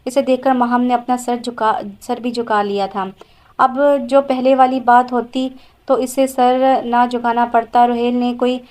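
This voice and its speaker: A woman narrating an audio romance novel in a steady reading voice. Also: on the high side.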